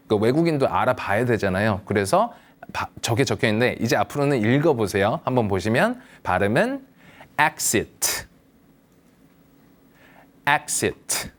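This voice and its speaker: A man's voice: mid-range voice, big pitch swings, moderate pace. A man teaching English pronunciation to older learners, patiently modelling words for the viewer to repeat and reassuring them. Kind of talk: slow, patient language lesson for seniors.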